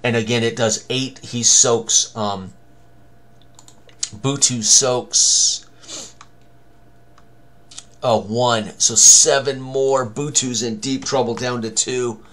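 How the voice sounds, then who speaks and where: An older man with a mid-pitched voice acts as game master in a solo tabletop walkthrough. He thinks aloud, calling out rolls and tallies in short phrases, recorded indoors at a computer. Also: fairly even intonation, slow, long pauses, a bit bright. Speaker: game master, tutorial presenter. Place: small room indoors, at a computer.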